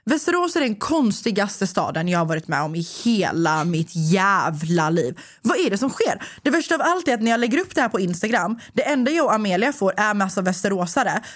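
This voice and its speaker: A young woman hosts a podcast and tells a long story in lively, casual chat. She swears freely and acts out the other people's lines as she goes. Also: mid-range voice. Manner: animated, swearing, acts out dialogue. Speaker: podcast host.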